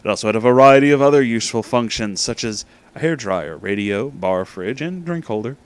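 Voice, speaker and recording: A man reads a comic story aloud in a dramatic storytelling manner, with deliberate pauses and amused asides. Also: mid-range voice, lively intonation, clear, resonant tone, no echo.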